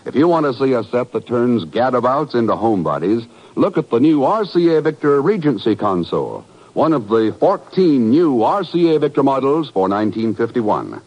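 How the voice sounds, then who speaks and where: Old-time American radio announcer, animated man. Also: mid-range voice, normal speed, hardly any pauses. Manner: old radio announcer delivery, polished and declamatory. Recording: muffled vintage 1950s radio broadcast. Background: music.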